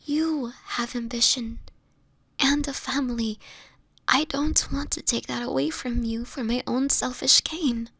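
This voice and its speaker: Breathy, fragile vampire woman, acted out by a woman. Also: fairly high pitch, fairly even intonation, a bit bright, no echo, heavily acted. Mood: distressed, pleading. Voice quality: breathy, often whispered. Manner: tender, halting, earnest, formal wording. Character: sickly homeless young female vampire, gentle, anguished, self-sacrificing. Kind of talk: intimate dramatic audio roleplay to the listener.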